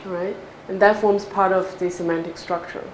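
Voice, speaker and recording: A woman with a Cantonese accent answers technical questions in a lecture hall. Her replies are quick and direct, and she explains with examples. The room is echoey, with a faint hum underneath. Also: lowish voice, fairly even intonation. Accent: Cantonese-accented English. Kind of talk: academic Q&A after a talk.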